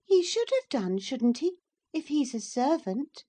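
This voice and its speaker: A woman's voice: big pitch swings, measured pace, warm tone. A woman reading an audiobook and voicing a spoiled, imperious young girl who is demanding and easily brought to tears. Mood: curious. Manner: shrill, demanding, indignant.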